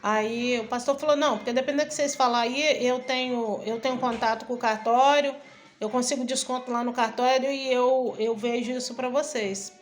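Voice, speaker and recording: A woman's voice: on the high side, fairly even intonation, fairly quick, a little hiss or hum. A woman missionary telling a personal testimony in a chatty way, stringing events together and acting out the dialogue in her own voice. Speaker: missionary and preacher.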